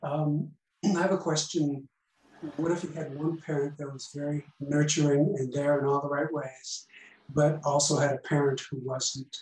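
A man's fairly high, somewhat breathy voice at a moderate pace, with monotone, flat intonation. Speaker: participant. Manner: hesitant.

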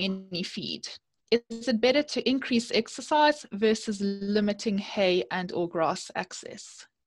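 At a fairly slow pace, a woman speaks in a fairly high, somewhat breathy voice. Her pitch varies in an ordinary way over a quiet background. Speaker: vet, webinar host; webinar host. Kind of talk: webinar moderation. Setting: video call. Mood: friendly, slightly hesitant. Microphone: headset.

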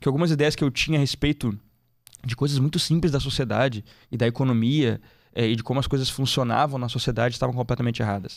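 The speaker moves at a fairly quick pace against a quiet background. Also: man. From southern Brazil, Rio Grande do Sul (São Leopoldo); Rio Grande do Sul, Brazil. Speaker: podcast guest. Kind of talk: casual interview chat. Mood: calm, earnest. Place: studio. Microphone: studio mic.

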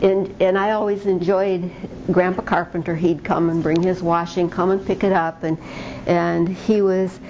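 A woman's medium-pitched, monotone and flat voice at a fairly slow pace, over noticeable background noise. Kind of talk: testimony.

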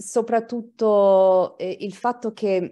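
With an English accent, a woman speaks in a dark, mellow tone with ordinary pitch variation. The background is quiet. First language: English (speaking Italian). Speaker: adult student. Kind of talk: casual chat.

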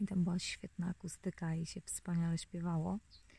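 A somewhat breathy, dark and mellow tone at a moderate pace, dry with no echo. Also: woman. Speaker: vlogger. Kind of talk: casual reflective vlog talk. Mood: emotional, reflective. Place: open country. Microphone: phone near.

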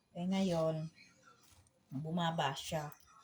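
A woman's fairly low, somewhat breathy voice with a dark, mellow tone. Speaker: vlogger. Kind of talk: casual vlog narration.

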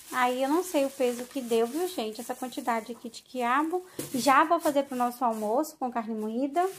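A woman's high-pitched voice at a fairly slow pace, with ordinary pitch variation and light background noise. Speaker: homemaker vlogger. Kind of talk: casual vlog chat. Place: kitchen. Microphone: phone near.

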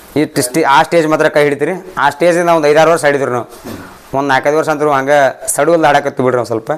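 Noticeable noise sits behind a voice whose intonation stays fairly level. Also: man, fairly high pitch for a man. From India, Belagavi district, north Karnataka. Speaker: folk song lyricist. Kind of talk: interview.

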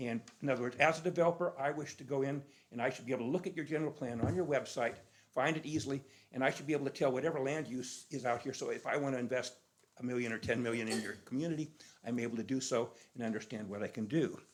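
A man with an American accent at a very fast pace, medium in pitch with ordinary pitch variation. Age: 60s. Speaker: public commenter, contractor and developer. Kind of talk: public comment at a city meeting. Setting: city planning commission meeting. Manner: halting, with repeated words.

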